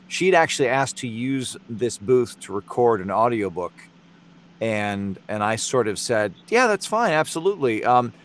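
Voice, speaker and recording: A man talking casually as a guest on a podcast, halting and restarting as he tells an anecdote. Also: lowish voice, fairly bright tone. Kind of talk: casual conversation.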